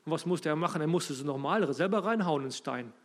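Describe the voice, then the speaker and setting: This preacher has a fairly high voice and a brisk, lively intonation. He delivers his sermon with emphasis, letting his volume swell and drop while speaking directly to his listeners.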